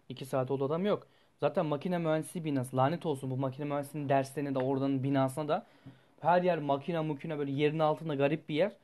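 A young man, a student, telling a story to his viewers in a casual, animated way, blunt and full of swearing, his voice jumping up and down as he goes. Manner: animated, blunt and profane, with sudden jumps in pitch and loudness.

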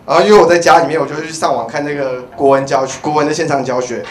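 Speaking very fast in a steady, higher-than-average voice, a young Taiwanese-accented comedian rambles and stammers through an open-mic set, repeating himself. The handheld-mic recording from the small indoor club carries room echo and background noise.

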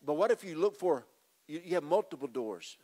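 A man's voice: fairly high pitch, expressive, fairly quick, mellow. A middle-aged man preaching a sermon on a church stage into a handheld mic, emphatic and repeating phrases as he addresses the congregation. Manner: moves about the stage and gestures. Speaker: pastor. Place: church stage with drum kit.

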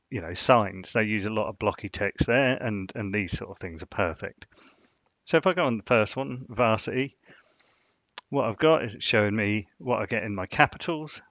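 A man's voice: lowish voice, a bit bright, dry recording. A man hosting a casual screen-share design tutorial, rambling and filling gaps with "you know". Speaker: design channel host. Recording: dull, dry lo-fi sound.

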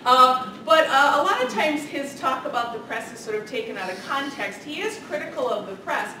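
A loud, energetic middle-aged woman lectures on political science in a big carpeted meeting room. Her voice sits a little high and carries. It is caught by a camera at the back, so it sounds distant and very echoey over a noisy hiss. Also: normal speed. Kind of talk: public lecture.

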